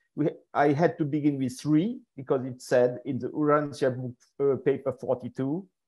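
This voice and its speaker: A man speaks with a fairly high pitch. His tone is dark and mellow against a quiet background. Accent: French. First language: French. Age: 70s. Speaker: amateur researcher presenter. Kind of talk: panel discussion Q&A. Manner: halting.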